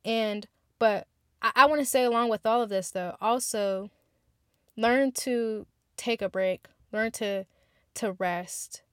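A woman's voice: on the high side, slow pace, smooth, no echo, studio quality. A twenty-one-year-old woman hosting a podcast, speaking candidly and heartfelt straight to her listeners in a casual monologue. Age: 20s. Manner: candid, heartfelt, chatty, addresses listeners directly. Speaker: podcast host.

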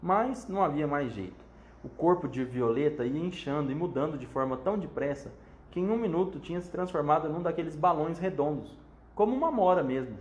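A man reads a children's book aloud with expressive, animated narration. His voice sits a little high. The room gives it a roomy echo. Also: a little fast, highs cut off. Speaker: storyteller.

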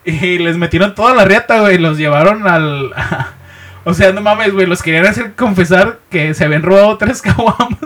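A man with a Mexican accent and a noticeably high voice trades stories in a relaxed podcast chat. He talks in loose slang, laughing easily as he goes. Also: moderate pace. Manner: slangy, animated, laughs often. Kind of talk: casual storytelling chat.

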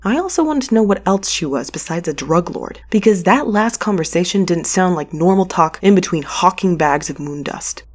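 A woman playing an anxious, stubborn, sharp-tongued space courier in an audio drama, talking in a halting, wry, conversational way. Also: lowish voice, lively intonation. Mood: wry, confiding. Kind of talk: audio drama acting with confiding narration.

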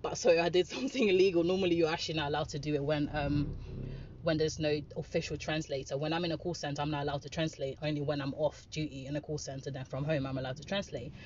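Young woman chatting over loud car noise. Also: deep voice, steady tone, fast talker. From born in Angola, raised in the Netherlands from about seven. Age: young adult. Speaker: interviewed passenger, a translator. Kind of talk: casual interview chat. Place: inside a moving taxi. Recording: dull lo-fi, loud vehicle noise.

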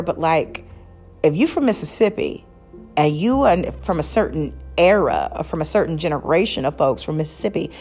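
A woman's voice: on the low side, a little mellow. A woman hosting a casual solo podcast, chatting in a rambling way with many fillers and restarts. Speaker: podcast host.

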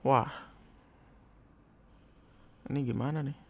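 A man's voice: mid-range voice, fairly even intonation, takes it slowly, gravelly. A young man reads his own poems and posts aloud in a casual, joking way, laughing and swearing as he goes. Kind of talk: casual monologue reading his own writings.

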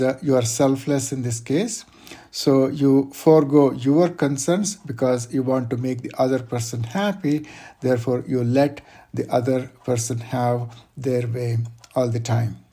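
A man with a mellow, dark tone and a slightly husky edge talks through workplace advice. He explains in a measured, orderly way, building his points with lists and everyday examples. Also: mid-range voice. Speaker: career advice guest. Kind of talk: interview advice talk.

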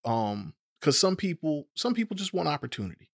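A man's voice: a little high, very animated, brisk, breathy edge, no echo, studio quality. A man with an African American accent chatting casually, laid-back and slangy, often affirming the other speaker. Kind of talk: casual chat.

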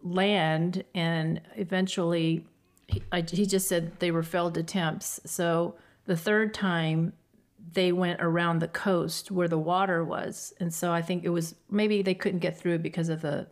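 A woman's voice: lowish voice, fairly even intonation, unhurried. A middle-aged woman, the host's mother, telling family stories in a casual chat. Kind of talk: casual conversation.

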